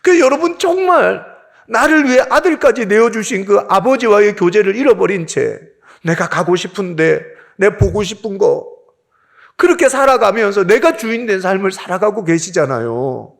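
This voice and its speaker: Korean pastor guy preaching, gravelly voice, emotional storytelling. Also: high voice, animated, moderate pace. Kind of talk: sermon.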